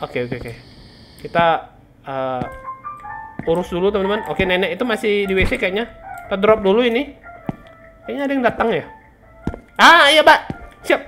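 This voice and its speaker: A young woman giving casual let's-play commentary, chatty, repeating words in quick bursts and often addressing her viewers. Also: mid-range voice, music in the background. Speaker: gaming channel host.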